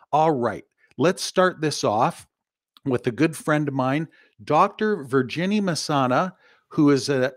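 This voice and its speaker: An older man hosts a podcast from his home office, talking into a studio mic on a video call. He is chatty and upbeat and laughs easily, and his voice sits at an ordinary pitch with a dry, close sound. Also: dry recording. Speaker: podcast host. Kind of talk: casual podcast chat. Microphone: studio mic on arm, video call.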